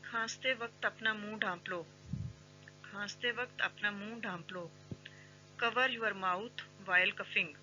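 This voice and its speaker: An English teacher who drills everyday phrases, repeating each one and saying the English lines very slowly and clearly. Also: mid-range voice, sharp tone. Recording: slightly dull sound with faint background music.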